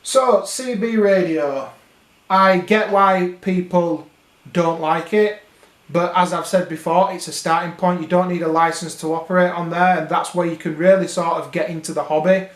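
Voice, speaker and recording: A man's voice: high voice, fairly even intonation, moderate pace. A British man talking casually to viewers, explaining things as a radio hobby vlogger. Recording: roomy, echoing indoor sound.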